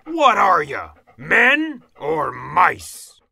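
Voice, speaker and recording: Loud, squeaky, blustering mouse commander. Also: male voice, very animated, slow, vocal fry, full character voice. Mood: blustering, commanding. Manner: loud, blustering military delivery. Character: brave, bossy male mouse commanding officer.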